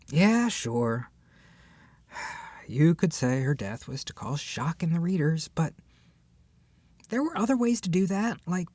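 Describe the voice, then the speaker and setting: A voice actor playing an irritated book club member ranting in a one-sided roleplay, exasperated and sarcastic with dramatic pauses. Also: medium pitch, darkish tone, no echo. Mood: indignant.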